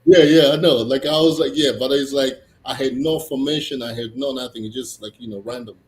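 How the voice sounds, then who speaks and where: A man from Tanzania, a comedian chatting casually as a guest, halting, with many fillers and restarts. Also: mid-range voice, fairly even intonation. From Tanzania, East Africa. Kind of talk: casual interview chat. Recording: echoey room, faint noise.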